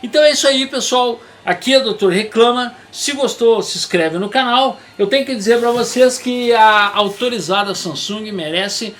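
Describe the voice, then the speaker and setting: High-voiced vlog host. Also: male voice, moderate pace, few pauses. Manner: lively, crude jokes. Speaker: channel host. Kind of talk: video outro to viewers.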